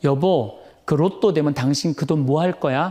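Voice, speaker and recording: At a moderate pace, a man uses a nasal, put-on character voice pitched fairly high. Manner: coaxing.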